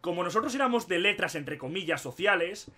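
A young man from Spain with a Spain Spanish accent, telling stories in excitable, slangy casual gaming commentary. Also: high voice, a little fast. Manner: excitable storyteller, laughs often, slangy. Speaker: gaming YouTuber.

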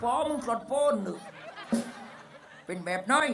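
A man voicing a rowdy, crude male village clown in a live shadow-puppet comedy, speaking with a Southern Thai accent, shouting and laughing through rapid-fire guesses. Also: extremely high pitch, animated, gravelly, heavily acted. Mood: boisterous. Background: live folk music band.

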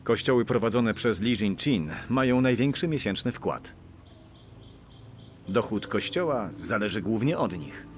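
Sly church elder, smooth talker, voice goes up and down a lot. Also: male voice, lowish voice, measured pace, slight background noise. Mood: persuasive. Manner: persuasive, reassuring, lively intonation. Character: scheming middle-aged male church elder. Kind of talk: Polish dubbing of a film. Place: outdoors in a park, then indoors at a church meeting.

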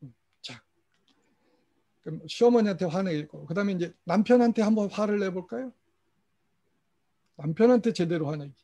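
A middle-aged man leads a parent training session in an easy, chatty lecture style. His voice sits noticeably high, and he moves through personal family anecdotes, acting out short quotes from his relatives. It sounds like a talk given over an online screen share. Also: animated, moderate pace, long pauses, mellow. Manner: storytelling, mimics family members in quotes, chuckles. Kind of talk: casual lecture with acted quotes.

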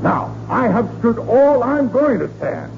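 A man's voice: very high voice, very animated, unhurried, vocal fry, heavily acted. An actor playing a blustering, exasperated middle-aged American father in a 1940s radio comedy. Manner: blustering, emphatic. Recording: muffled, noisy 1940s radio recording.

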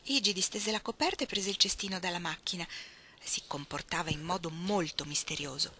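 A woman reading a novel aloud in an expressive storytelling manner. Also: fairly low pitch, brisk, slight background noise. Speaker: reader.

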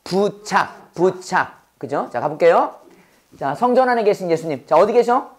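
The class echoes every prompt in this brisk call-and-response exercise, led by an English teacher whose voice is hoarse. It's a mid-range voice with an animated delivery.

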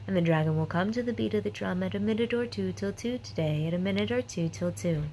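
Young woman reciting rhythmic warm-ups, noisy recording. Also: mid-range voice, fast. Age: young adult. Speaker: voice performer recording a sample reel. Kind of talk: tongue-twister vocal warm-up recitation. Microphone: phone at arm's length.

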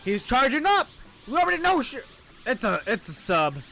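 A male streamer with a very high voice and swooping, lively delivery gives excited reaction commentary. He is playful and slangy, often breaking into shouts, with a bit of fry in the voice and music playing behind him. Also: normal speed, a little hiss or hum. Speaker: VTuber streamer reacting to an animation. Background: music and video audio.

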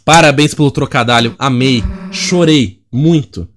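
A man's voice: mid-range voice, unhurried, a bit bright, slight background noise. A man from Brazil doing let's play commentary as a gaming YouTuber, joking, chatty and profane.

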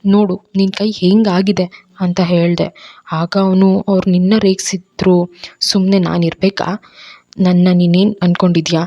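A woman's voice: fairly low pitch, warm tone, lo-fi sound. A woman voicing a young female college student who earnestly recounts what happened.

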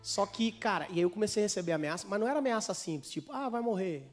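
A man's voice: high-pitched, lively intonation, rapid-fire, soft background music. A Brazilian man in his thirties with an Espírito Santo accent, telling stand-up stories and acting out both sides of the dialogues. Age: 30s. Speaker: stand-up comedian. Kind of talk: stand-up storytelling.

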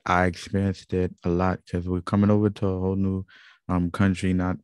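A man's voice: low voice, completely flat delivery, fairly quick, darkish tone, smooth, no echo, clean studio sound. A young man from Guyana with a Guyanese accent, earnestly recounting his own experiences as host of a vlog, with many fillers and restarts. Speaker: channel host. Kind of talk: personal testimony vlog.

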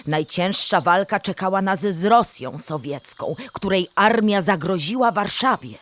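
A woman's voice: medium pitch, animated, measured pace, a bit bright. A woman playing a friendly female cartoon animal who explains history in a children's audio drama, speaking with careful enunciation. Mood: explanatory.

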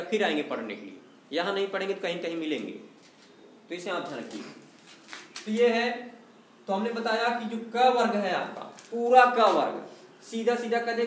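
A man with a high voice and a North Indian accent teaches a classroom lesson at the board. He keeps quizzing the class and checking that they have understood. The room is echoey, with faint noise behind him. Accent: North Indian, Uttar Pradesh. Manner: repeats questions to the class and asks for confirmation. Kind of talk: classroom lecture.

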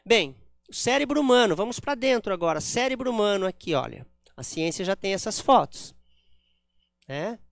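A man's voice: sits high, sing-song, moderate pace, gravelly, no room sound, clean studio sound. A man giving a spiritist lecture at a center, explaining ideas step by step with frequent "né?" tags. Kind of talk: public lecture with slides.

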